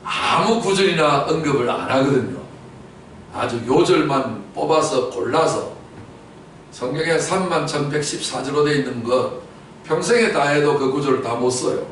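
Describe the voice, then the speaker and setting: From the church sanctuary comes a man's Sunday sermon, his voice on the high side with lively intonation at a moderate pace. The pastor poses questions to his congregation, repeats key words for emphasis, and erupts suddenly into loud outbursts, heard distantly amid echo and faint noise.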